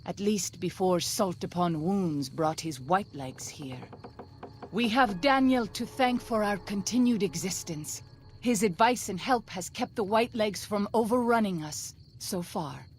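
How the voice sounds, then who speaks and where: In this video game role, a woman plays a grave tribal midwife and scout. Her natural, medium-pitched voice carries formal, measured speech with an archaic turn of phrase.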